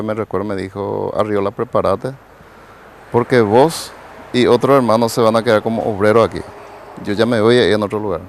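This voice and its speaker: A man, a pastor telling his life story in a television interview. His voice is gravelly and mid-pitched. He rambles and tags nearly every phrase with a questioning "right?". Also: slight background noise. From Paraguay. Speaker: pastor and evangelist, interview guest. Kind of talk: personal testimony in a TV interview.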